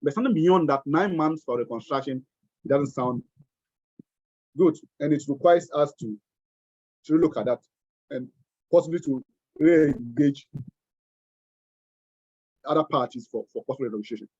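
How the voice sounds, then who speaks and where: A man lectures over a webinar, pressing his points hard and circling back through repeated words and restarts. His voice sits high for a man. The sound is dry and dull, like a lo-fi computer mic. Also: moderate pace, pauses often, a little mellow, breathy edge, no echo. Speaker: webinar presenter on tax treaties. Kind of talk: lecture-style webinar talk.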